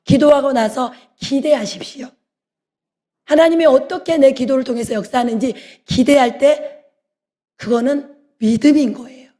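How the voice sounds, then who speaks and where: A middle-aged woman preaches a sermon with a high, mellow voice. She exhorts earnestly and slows down for emphasis. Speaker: pastor's wife preaching.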